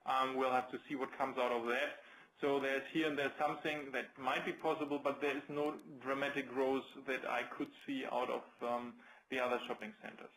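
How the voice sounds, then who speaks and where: A man's voice: medium pitch, little pitch movement, fairly quick, fairly bright tone, low-quality recording. A man with a German accent speaking as a company executive, answering questions on a business conference call in careful, hesitant phrases. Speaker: company executive presenting results.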